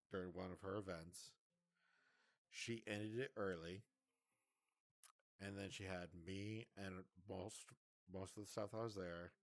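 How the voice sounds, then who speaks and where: A man's voice: low voice, no room sound. A man casually recounting a breakup in a vlog, hesitant and rambling, often stammering and restarting.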